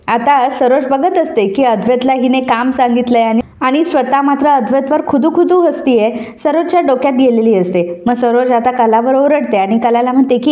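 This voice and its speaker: Woman narrator, high and mellow, plain recap storytelling. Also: roomy sound. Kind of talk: retelling a serial episode.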